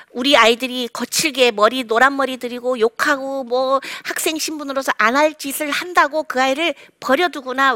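Woman counselor, middle-aged, fairly high voice, lively quoted asides, public talk. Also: no room sound, clean studio sound. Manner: acts out quoted lines with sharp jumps in pitch. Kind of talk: public lecture to an audience.

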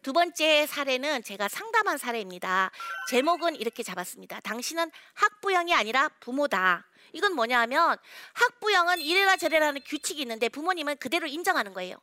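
Woman counselor speaking to parents: crisp, tense brightness, close dry sound, earnest delivery. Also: high-pitched, sing-song, fairly quick, few pauses, dry recording. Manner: earnest, swings from loud exhortation to hushed storytelling. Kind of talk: public talk to parents.

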